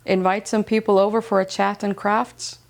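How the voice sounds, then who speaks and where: Calm woman from Iceland hosting. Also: mid-range voice, normal speed, vocal fry. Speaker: podcast host. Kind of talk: scripted reflective narration, then casual chat. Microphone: wireless transmitter mic.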